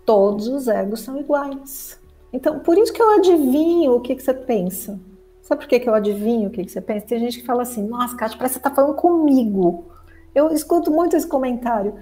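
High-voiced lively woman. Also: fast talker, faint music behind, poor audio. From Brazil. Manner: lively and expressive, acts out the inner voice. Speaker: spiritual teacher and therapist. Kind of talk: spiritual talk to viewers.

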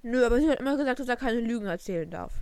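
A woman's voice: on the high side, lively intonation, very fast, a little mellow, clean tone. A teenage girl co-hosting a podcast, retelling a story loosely and using lots of filler words. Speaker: podcast co-host. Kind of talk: casual chat.

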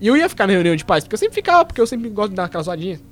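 A man's voice: high voice, racing. A young man telling a self-mocking story in a casual podcast chat. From Diadema, São Paulo, Brazil. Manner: animated, self-mocking, laughs into his stories.

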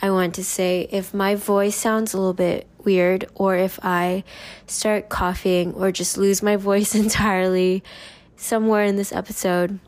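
A woman's voice: medium pitch, level tone, a little slow, darkish tone. A young woman hosting a casual solo podcast, chatting in an upbeat, rambling way while still getting over a cold. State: recovering from a cold. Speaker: podcast host.

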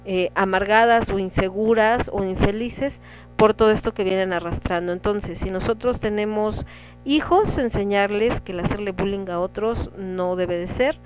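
A woman's voice: mid-range voice, normal speed. A woman with a Mexican Spanish accent hosting a casual talk show, chatting with listeners and reading out their comments. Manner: conversational, reads listener comments aloud. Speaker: radio show host. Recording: dull lo-fi sound with faint music.

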